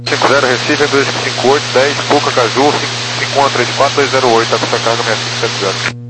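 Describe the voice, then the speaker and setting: A man speaking as a pilot over a two-way radio like a walkie talkie, giving brisk, terse readbacks. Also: medium pitch, steady tone. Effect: heard over a two-way radio, like a walkie talkie. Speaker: airline pilot. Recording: loud static over a radio link.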